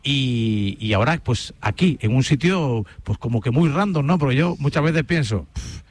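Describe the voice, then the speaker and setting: A man from Spain hosting a relaxed radio interview, chatty and rambling with many fillers. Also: mid-range voice, moderate pace. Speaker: host.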